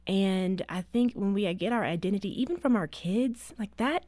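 A woman in her thirties speaks as an interview guest, telling family stories with an earnest, heartfelt manner. Her voice sits at a middle pitch and sounds dry and close. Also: normal speed, dark tone, no room sound. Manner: earnest storytelling, emotional at times. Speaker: guest, author and mother. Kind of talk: interview conversation.

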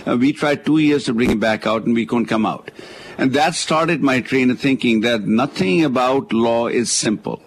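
A man's voice: medium pitch, normal speed, slight background noise, low-quality recording. A man with a South Asian accent talking conversationally as a legal expert on a radio call-in show, often repeating words as he explains.

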